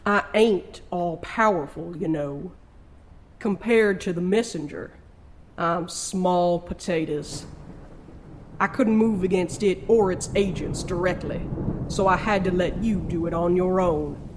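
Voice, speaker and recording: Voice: mid-range voice, a little slow, a little hiss or hum, close to an everyday voice. An actor of unclear sex playing an ancient, world-weary trickster spirit with a folksy, theatrical drawl in an audio drama. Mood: cryptic. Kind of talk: scripted audio drama acting.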